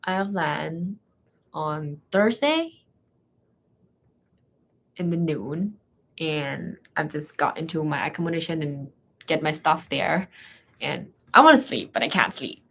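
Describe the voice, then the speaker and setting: Gravelly low-voiced young woman, hesitant. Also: fairly bright tone. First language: Thai. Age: young adult. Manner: hesitant, halting, searches for English words. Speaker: medical student guest. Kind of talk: casual live chat.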